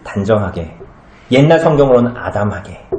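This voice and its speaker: Animated pastor in an echoey church. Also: male voice, fairly low pitch, a little fast. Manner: conversational, asks the congregation many questions; acts out short comic scenes with changed voices. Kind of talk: sermon. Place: small church hall. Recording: echoey room.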